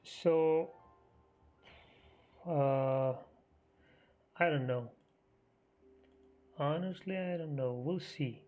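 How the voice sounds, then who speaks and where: Slow hoarse guy narrating his trades live, kinda halting, dull lo-fi sound with a little music behind. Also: on the high side, a little mellow. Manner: halting, thinking aloud. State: losing his voice. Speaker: live trading stream host. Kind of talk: live market commentary. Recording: muffled stream audio with faint music.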